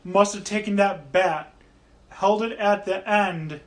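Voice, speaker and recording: A young man with a notably high voice, joking his way through casual sports talk. He tells his stories with animated energy. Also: slow. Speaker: podcast co-host.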